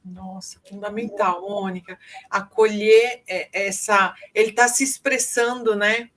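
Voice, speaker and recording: A woman's voice: mid-range voice, steady tone, measured pace, fairly bright tone. A woman co-hosting a podcast in casual chat, explaining her points step by step in a thoughtful way.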